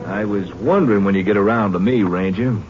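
An American actor playing a shifty, oily, evasive gambling boss in a 1950s western radio drama. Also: male voice, fairly low pitch, fairly quick, highs cut off, over loud music, close to an everyday voice. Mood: oily, uneasy. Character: shifty, nervous gambling-house boss, cornered villain. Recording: band-limited old radio recording, faint noise.

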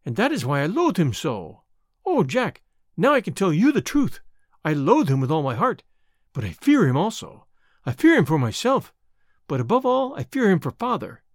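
A man's voice: a little high, huge pitch swings, moderate pace, no room sound, clean studio sound, exaggerated voice. A man voicing a distraught, tender young woman who pleads fearfully and devotedly in an audiobook. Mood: fearful, pleading. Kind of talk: audiobook character acting.

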